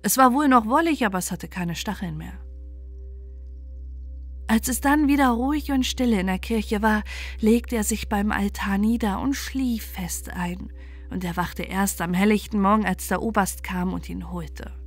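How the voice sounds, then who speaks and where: A woman reading a bedtime fairy tale as an expressive, measured storyteller. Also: medium pitch.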